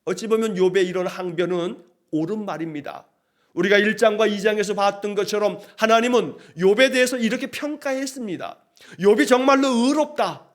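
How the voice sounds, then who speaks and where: A man's voice: sits high, a little fast. A male pastor preaching an early morning prayer sermon, paraphrasing scripture in a plain conversational tone.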